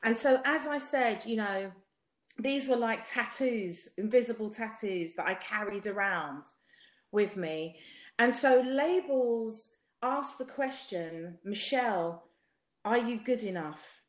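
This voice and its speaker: South london woman, highish voice, telling her story on a podcast, emphatic, lots of echo. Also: slow. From South London, England. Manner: emphatic, rhetorical repetition, often seeks agreement. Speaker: podcast guest, singer. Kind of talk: personal testimony in a podcast conversation. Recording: roomy, echoey sound.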